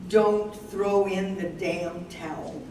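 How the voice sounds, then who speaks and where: A woman's voice: fairly low pitch, fairly even intonation, takes it slowly. A woman in a staged reading, playing a devoted, plaintive elderly wife who has Alzheimer's, with earnest delivery. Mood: earnest, resolute. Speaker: stage reader. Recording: echoey room, far from mic, background noise.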